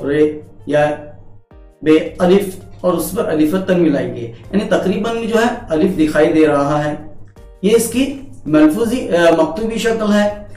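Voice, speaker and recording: Man, patient teacher, repeats key points, slightly high voice, roomy echo, faint music behind. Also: a little mellow. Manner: patient, repeats each point to drive it home. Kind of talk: explanatory lesson on poetic meter. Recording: echoey room, distant mic, faint music.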